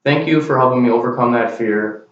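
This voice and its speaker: Here a student, a young man with a mid-range voice, speaks briskly through a class speech aimed at a camera. His delivery stays earnest and plain. The camera's own mic makes it sound very echoey, distant and dull.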